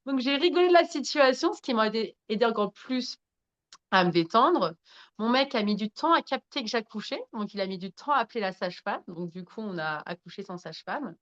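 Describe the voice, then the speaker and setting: A woman at a middle pitch tells her story as a podcast guest, in a frank and earthy way. She swears casually, laughs at herself and keeps turning to the listeners. The recording sounds a little dull and lo-fi. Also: fairly quick. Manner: animated, addresses listeners directly. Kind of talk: candid storytelling in conversation.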